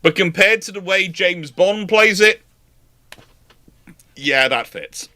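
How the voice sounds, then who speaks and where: A man's voice: sits high, lively intonation, slow pace, sharp tone. A British man in his forties hosting a casual live question-and-answer chat, rambling and emphatic in his opinions. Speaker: live stream host.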